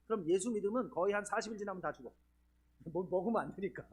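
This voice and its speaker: A man's voice: sits high, fast talker, breathy edge. A male pastor from the region preaching at a church healing seminar, asking the congregation questions as he goes. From Chungcheong region, Korea. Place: church sanctuary.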